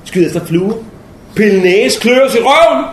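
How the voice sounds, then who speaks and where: An actor playing a brash swearing young soldier. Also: male voice, high voice, lively intonation. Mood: agitated. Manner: coarse, swearing, restless. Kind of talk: theatrical monologue. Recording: roomy, faint background noise.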